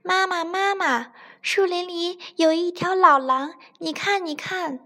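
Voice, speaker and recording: A woman's voice: extremely high pitch, measured pace, sharp tone, voice pushed up, heavily acted. A woman voicing a small frightened young white rabbit in a children's storybook, sounding breathless and pleading.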